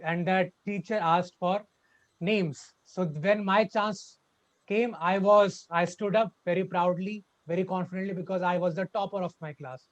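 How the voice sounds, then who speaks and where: A young man telling his personal story as a club speech, halting and repeating words with a stutter. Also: sits high, steady tone. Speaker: club speaker. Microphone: video call. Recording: dull lo-fi online call audio.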